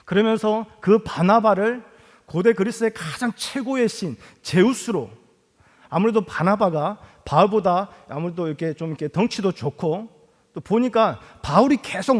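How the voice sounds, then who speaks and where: Lively Gyeongsang-accented male pastor, reverberant hall. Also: high-pitched. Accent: Gyeongsang Korean. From Gyeongsang, South Korea. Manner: animated storytelling with humor. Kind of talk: sermon. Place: church sanctuary. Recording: long reverb of a large hall.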